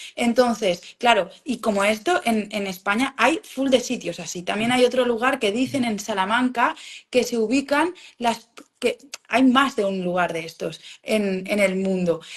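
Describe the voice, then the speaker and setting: Her voice is fairly high in pitch. This woman also sounds somewhat breathy. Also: ordinary pitch variation, fairly slow pace. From Spain, Catalonia. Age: 30s. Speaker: witchcraft practitioner and author. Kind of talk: interview conversation. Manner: hesitant, repeating words.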